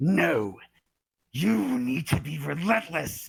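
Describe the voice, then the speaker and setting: Shouting in a raspy put-on character voice, a man speaks very slowly at a medium pitch with very wide pitch swings. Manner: yelling, evil, aggressive.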